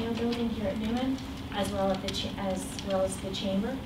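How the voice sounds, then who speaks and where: Loud background noise sits behind a woman's voice. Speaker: university counsel and event host. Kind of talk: event hosting. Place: meeting room.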